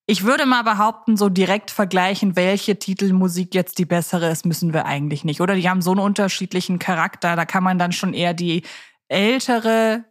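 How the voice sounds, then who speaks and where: A woman's voice: lowish voice, fairly quick, no room sound, clean studio sound. A woman co-hosting a casual podcast discussion, speaking in a reflective, opinionated way. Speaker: podcast co-host.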